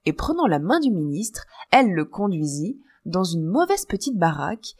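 Woman audiobook narrator, first person, lively pitch. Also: moderate pace, husky. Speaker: audiobook reader.

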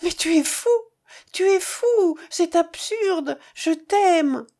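A woman voicing a young kept woman in a storybook reading, shrill and emotional. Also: lively intonation, takes it slowly, mellow, full character voice. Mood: pleading. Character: young kept woman, pleading then spiteful.

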